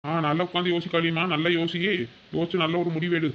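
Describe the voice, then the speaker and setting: A woman doing a deep-voiced village husband. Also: level tone, quick pace, highs cut off, a little hiss or hum, lightly acted. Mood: easygoing. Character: middle-aged village husband, easygoing.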